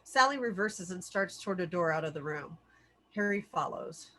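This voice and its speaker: A woman's voice: fairly low pitch, animated, normal speed, sharp tone. A woman narrating the scene headings and action lines of a screenplay at a table read. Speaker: stage-direction reader. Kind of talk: scripted narration of screenplay directions.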